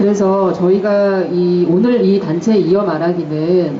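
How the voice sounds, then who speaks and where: Audible room echo and noticeable background noise around a female speaker, her pitch shifting in a normal way. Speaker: trainee labor attorney, panel moderator. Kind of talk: public talk moderating a panel.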